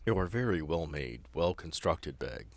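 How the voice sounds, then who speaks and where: A man narrating and refereeing a tabletop game as game master, with deliberate, dramatic storytelling. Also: rumbling low, big pitch swings, vocal fry, a little hiss or hum. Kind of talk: improvised game narration and rules talk.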